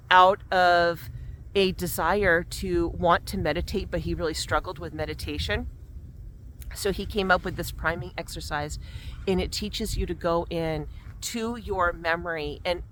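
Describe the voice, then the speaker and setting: Out walking in the wind and cold, this woman vlogger talks with lips gone numb, her voice fairly low in pitch and fairly bright. Chatty and reflective, she turns over self-help ideas, frequently starting her sentences again.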